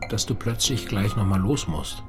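Radio play role: man as a mysterious, unruffled bartender, very low voice, few words, matter-of-fact. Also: animated, moderate pace, over music, lightly acted. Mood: calm, laconic. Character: laid-back, enigmatic male barkeeper of a dreamlike bar. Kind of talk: naturalistic radio drama acting.

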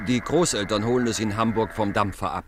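A man's voice: lowish voice, brisk, a little hiss or hum, close to an everyday voice. An actor playing a polite, matter-of-fact father in a German radio play. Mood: politely brisk. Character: polite father handing over his small son.

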